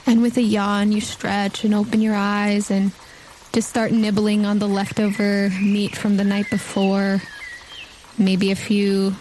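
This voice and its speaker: A woman's voice: mid-range voice, darkish tone, a little hiss or hum, rough recording. A woman acting as game master, narrating a tabletop role-playing game in a descriptive, scene-setting way.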